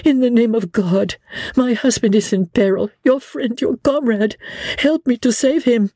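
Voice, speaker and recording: A woman's voice: a little high, a little slow, warm tone, no echo, clean studio sound, pitched above the performer's own voice. A woman voicing an earnest, desperate English lady in a dramatic audiobook, urgent and resolute as she pleads. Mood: desperate, pleading.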